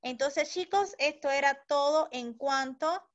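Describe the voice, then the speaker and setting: Slow, high-voiced woman teaching. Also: muffled recording. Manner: slow, deliberate, stretches and sounds out syllables; checks understanding with short questions. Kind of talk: recorded school lesson for children.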